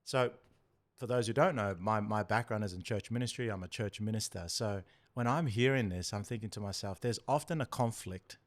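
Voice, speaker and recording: A Samoan man with a somewhat low voice, hosting a podcast conversation. He keeps saying "yeah" to affirm his guest and asks questions that circle around before landing. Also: fairly quick. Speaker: podcast host and church minister. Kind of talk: podcast interview.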